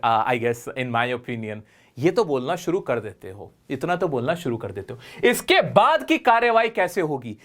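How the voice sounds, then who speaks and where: A man teaching spoken English in a lively, coaxing classroom manner. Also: fairly high pitch. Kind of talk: classroom lesson.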